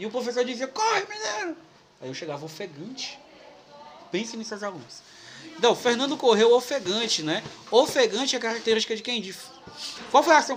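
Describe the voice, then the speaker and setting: A man with an extremely high pitch and an animated tone talks at a fairly quick pace, with big swings in loudness and long, frequent pauses, over noticeable background noise. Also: lively intonation. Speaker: teacher. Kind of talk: lecture. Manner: fast.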